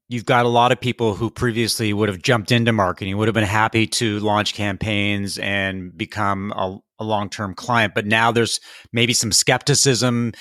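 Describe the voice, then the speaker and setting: A man hosting a podcast, asking long, smoothly framed questions. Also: lowish voice, fairly bright tone, dry recording, clean studio sound. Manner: long, fluent framing questions. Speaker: podcast host.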